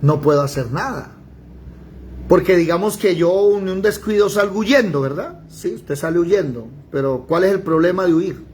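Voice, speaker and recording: A man teaching a Bible study, firing rhetorical questions and breaking into shouted pleas. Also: high voice, normal speed, hardly any pauses, a little hiss or hum.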